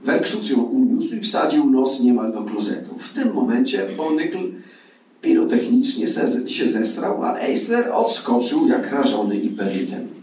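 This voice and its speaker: A male actor reads a novel aloud at a live event, telling the story with a wry, ironic edge. His delivery rises and falls in a lively way. He sounds distant from the mic, in a roomy, echoing hall. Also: medium pitch, a little slow. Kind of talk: dramatic literary reading. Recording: echoey hall from far off.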